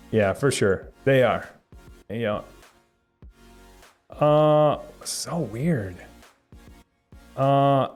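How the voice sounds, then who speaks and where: A man's voice: mid-range voice, darkish tone. Rambling casual man on a tech stream. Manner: rambling, halting, many fillers and restarts, chuckles often. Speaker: tech livestream host. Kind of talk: casual live-stream chat reading viewer comments.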